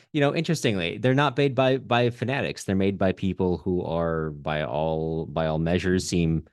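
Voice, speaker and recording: Low-voiced man analysing literature casually. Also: dry recording, studio quality. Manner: emphatic, self-restarting, checks in with "right?". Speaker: podcast host.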